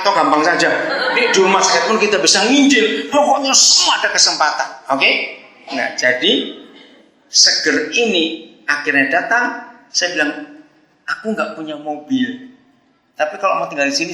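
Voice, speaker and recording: A man's voice: high voice, heavy reverb, rough recording. An older man preaching a sermon, telling stories with laughter and acting out the voices in quoted lines. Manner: animated storytelling with laughs and acted quotes. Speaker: pastor.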